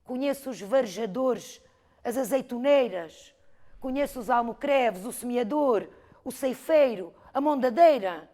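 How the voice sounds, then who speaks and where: A Portuguese woman in her fifties from the Algarve, an expressive storyteller talking about her life and craft, with an Algarve accent. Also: a little high, a little slow. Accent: European Portuguese, Algarve. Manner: expressive storyteller, rhythmic lists. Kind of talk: reflective interview talk.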